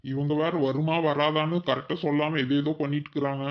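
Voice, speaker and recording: A man's voice: a little high, level tone, brisk, lo-fi sound, lightly acted. A man playing a fretful young husband who is scared of ghosts, in a cartoon. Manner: whiny, fretful. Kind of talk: cartoon voice acting.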